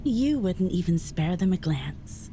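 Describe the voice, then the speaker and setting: An actress playing a teasing, knowing otherworldly sister in a video game, with playful, refined phrasing. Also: female voice, fairly low pitch, big pitch swings, unhurried, mellow, slight background noise. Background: faint background music.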